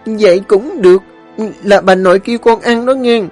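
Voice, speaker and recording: A man's voice: high voice, moderate pace, faint music behind, pitched above the performer's own voice, lightly acted. Man doing a chirpy little boy. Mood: eager. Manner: eager, sweet-talking, excited. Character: cheerful chatty five-year-old boy.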